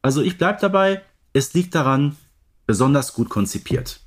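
Guy cohosting a podcast, average pitch voice, relaxed casual chat. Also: normal speed. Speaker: podcast co-host. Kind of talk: casual podcast chat about audio dramas.

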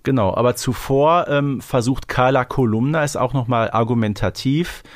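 A man's voice: mid-range voice, moderate pace, no room sound, clean studio sound. A man co-hosting a casual review podcast, wry and given to mock-dramatic asides. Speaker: podcast co-host.

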